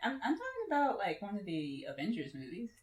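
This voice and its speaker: A woman's voice: mid-range voice, huge pitch swings, fast. A woman co-hosting a casual pop-culture podcast, enthusiastic and peppering her talk with "like". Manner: enthusiastic, heavy use of "like". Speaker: podcast co-host. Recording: echoey room.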